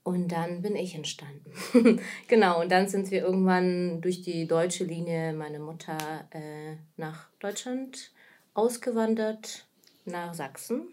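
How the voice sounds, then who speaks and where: In a relaxed podcast interview, an anti-racism activist and trainer in her thirties, originally from Kazakhstan and a native Russian speaker, talks in German with a Russian accent. Her lowish voice is mellow, and she takes her time.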